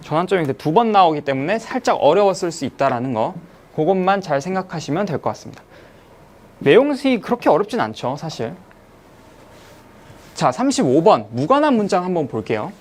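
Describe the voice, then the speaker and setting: Lively English teacher reviewing an exam. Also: medium pitch. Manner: explains step by step, asking and answering own questions; reads English sentences slowly, then glosses them. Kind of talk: online exam-review lecture.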